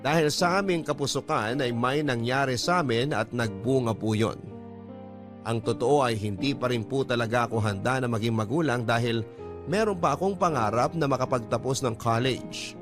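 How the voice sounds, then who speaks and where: A man's voice: mid-range voice, moderate pace. A man reading a confessional letter as scripted first-person narration, as the host of a radio drama. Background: music.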